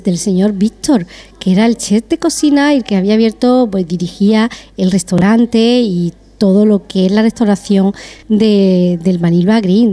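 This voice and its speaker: A woman's voice: medium pitch, dark tone. A middle-aged woman hosting a TV interview, speaking in an effusive, complimentary way into a handheld mic. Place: decorated restaurant patio.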